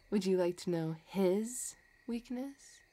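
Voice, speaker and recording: A woman playing a possessive, scheming villain in a romantic audio roleplay, talking in a soft, teasing, calculating way. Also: medium pitch, husky, heavily acted. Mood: teasing, sly. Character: possessive, scheming female villain obsessed with her crush.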